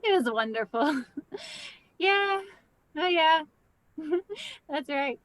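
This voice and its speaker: A woman's voice: high voice, expressive, very slow, no echo, exaggerated voice. A woman playing a contented ninety-year-old lady vampire, chatting simply in a comedy table read. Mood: delighted.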